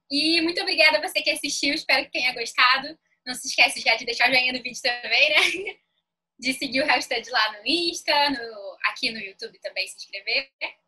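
A woman with a high pitch and lively intonation talks at a fairly quick pace in a raised, projected voice, with big swings in loudness. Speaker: content creator and international relations student. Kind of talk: interview. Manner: animated.

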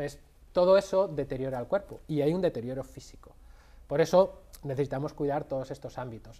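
Dark and mellow in tone, a man's fairly high-pitched voice moves at a fairly quick pace. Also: ordinary pitch variation, big swings in loudness. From Spain, Toledo province (Castilla-La Mancha); Castilla-La Mancha, Spain. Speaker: health coach and biohacker, aerospace engineer; health coach. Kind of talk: interview. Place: studio. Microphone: lapel.

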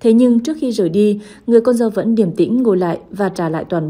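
A woman's dark, mellow tone moves with lively intonation. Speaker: news anchor. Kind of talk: news reading. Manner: formal.

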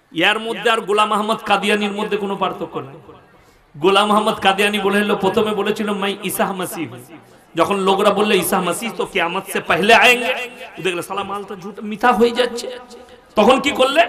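Against noticeable background noise, a man with a high pitch speaks in a raised, projected voice with big swings in loudness. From West Bengal, India (Purba Bardhaman); West Bengal. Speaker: Islamic preacher. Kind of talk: sermon. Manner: animated. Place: tent. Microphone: studio mic.

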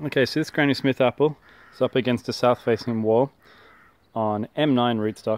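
Using an Australian accent, a man talks at a moderate pace with long, frequent pauses, fairly even intonation and very even loudness. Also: dry sound with no echo. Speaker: home gardener. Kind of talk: casual video tour. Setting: outdoors. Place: garden. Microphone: phone near.

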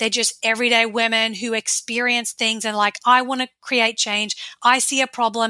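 A woman talks with an Australian accent at a moderate pace. Her fairly high, bright, sharp voice stays monotone and flat. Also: dry, close sound with no echo. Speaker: author and journalist. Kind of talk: casual interview chat.

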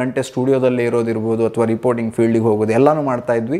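Monotone and flat in intonation, a man speaks with a dark, mellow tone. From Dakshina Kannada, Karnataka (Bantwal taluk village); Karnataka. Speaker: voice-over artist; interviewee. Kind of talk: interview storytelling. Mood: calm, reflective. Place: home room. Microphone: lapel.

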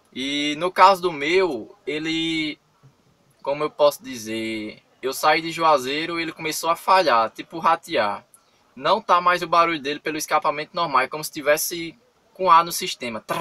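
At a moderate pace, a man talks in a fairly high, bright, sharp voice with ordinary pitch variation and big swings in loudness. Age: 20s. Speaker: truck driver and vlogger; vlogger. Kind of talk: vlog tutorial. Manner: casual, informal. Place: car. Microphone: phone near.

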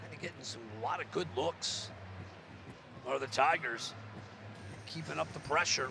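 At a moderate pace, the speaker's pitch swings very widely, broken by long, frequent pauses, with noticeable background noise behind. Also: man, medium pitch for a man. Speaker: color commentator. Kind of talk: sports commentary and interview.

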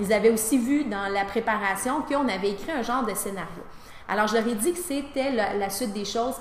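A woman with a Quebec accent talks at a fairly quick pace and a fairly high pitch, with ordinary pitch variation, audible room echo, and light background noise. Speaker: teacher. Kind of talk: interview answer. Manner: casual, conversational. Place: classroom.

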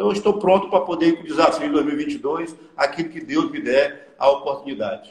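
Moving at a fairly quick pace with hardly any pauses, a man speaks with audible room echo over a quiet background. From Tocantins, Brazil. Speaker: politician. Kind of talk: live-stream political interview. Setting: online live stream. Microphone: video call.

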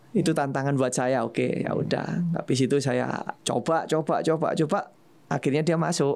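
A man talks at a fairly quick pace with fairly high pitch and ordinary pitch variation. His loudness stays very even. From Indonesia. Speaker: badminton coach. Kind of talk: casual chat. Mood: relaxed, often smiling. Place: studio. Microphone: studio mic.

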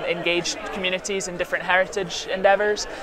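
A woman talks at a fairly quick pace in a flat monotone. Noticeable background noise runs underneath. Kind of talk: interview answer. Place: hall.

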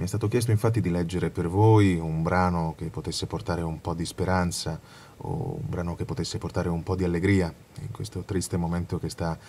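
With a dark, mellow tone and a very deep, low pitch, a man talks at a fairly quick pace with ordinary pitch variation over light background noise. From Piacenza, Italy. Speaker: actor and voice actor. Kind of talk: humorous reading. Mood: wry, humorous. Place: home room. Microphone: studio mic.

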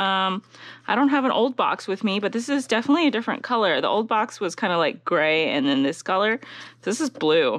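A woman at a moderate pace, the sound dry with no echo and the background quiet. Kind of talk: casual vlog chat. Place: home room. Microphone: camera far.

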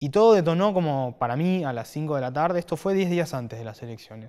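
A man speaks fairly quickly, with ordinary pitch variation, against a quiet background. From Argentina, Bariloche; Argentina. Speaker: self-taught programmer; interviewee. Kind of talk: interview; interview answer. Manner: halting, frequent repetitions and fillers. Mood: calm, slightly ironic. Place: home room.

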